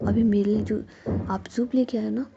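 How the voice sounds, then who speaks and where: A woman's voice: medium pitch, steady tone, moderate pace, creaky, close to an everyday voice. A woman voicing a teasing, playful young woman. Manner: affectionate, teasing. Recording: dull lo-fi recording with faint noise.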